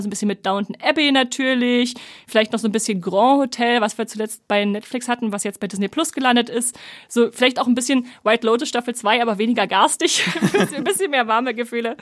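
A woman's voice: on the high side, no room sound, clean studio sound. A woman co-hosting a casual podcast, presenting new series in a chatty, upbeat way with lots of fillers. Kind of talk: casual chat.

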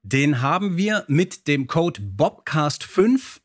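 A man's voice: on the high side, sing-song, slow pace. A man hosting a podcast, presenting and reading prepared text in a polished way. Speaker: podcast host.

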